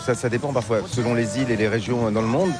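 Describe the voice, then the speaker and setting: A man's voice: medium pitch, fast talker, over loud music. A man interviewing a guest outdoors, asking probing questions with frequent fillers. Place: outdoor market with traffic. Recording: crowd noise outdoors. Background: crowd and vehicles.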